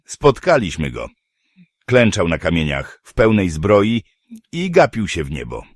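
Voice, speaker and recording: A mercenary reports what he saw in a plain, matter-of-fact way, as a male narrator reads him. The voice is deep and lively, in a dry recording. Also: measured pace, no room sound, heavily acted.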